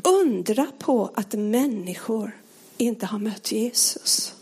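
A woman preaching a sermon, earnest and pleading, often sinking to a hushed whisper. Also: medium pitch, lively intonation, breathy edge.

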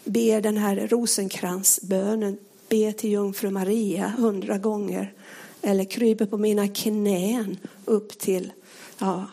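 A woman preaching a sermon, earnest and pleading, often sinking to a hushed whisper. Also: medium pitch, creaky, breathy edge.

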